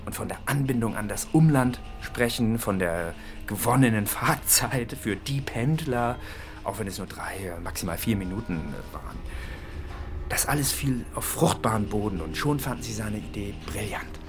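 A man narrating a radio feature in a wry, expressive way. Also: on the low side, moderate pace, soft background music.

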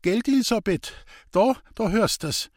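A man's voice: high-pitched, animated, measured pace, darkish tone, dry recording, studio quality, voice pushed up. A man doing a tearful sick villager. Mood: emotional. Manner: emotional, pleading, stammering.

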